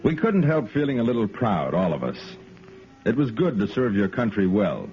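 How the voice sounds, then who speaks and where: An actor playing a steady army lieutenant who narrates reflectively in a 1950s radio drama. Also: male voice, fairly low pitch, normal speed, soft background music. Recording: dull old radio broadcast recording.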